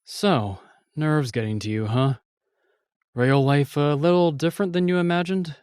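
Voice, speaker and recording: An actor playing a reluctant royal knight, curt and sighing but guardedly kind, in an intimate fantasy audio drama. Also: male voice, fairly high pitch, normal speed, a little mellow, smooth, no room sound, clean studio sound, lightly acted. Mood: dry, resigned.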